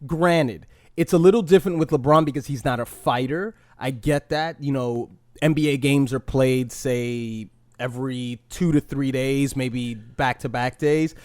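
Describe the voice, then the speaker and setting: A man hosting a casual podcast, talking in an animated, opinionated way and poking fun at himself. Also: mid-range voice, a little slow, dry recording. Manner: animated, opinionated, with mock impressions and self-mocking laughs. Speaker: podcast host.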